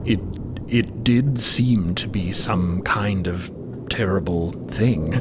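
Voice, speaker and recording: A man plays a troubled cosmic explorer in a fiction podcast. He speaks slowly in a lowish voice, politely and haltingly, with clear ambient noise behind him. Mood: troubled, haunted. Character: troubled, hesitant, courteous man of a cosmic expedition.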